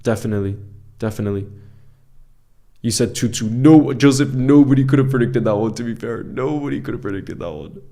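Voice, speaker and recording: A man's voice: mid-range voice, brisk, mellow. A man chatting casually on a football live stream, reading viewer comments aloud and greeting people by name, often repeating himself. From mixed French and Icelandic background.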